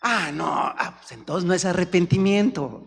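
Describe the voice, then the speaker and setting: High-voiced Mexican pastor preaching in a hall. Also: male voice, moderate pace, vocal fry, slightly rough. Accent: Mexican Spanish. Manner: animated, acts out dialogues with humor. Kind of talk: sermon. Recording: hall reverb.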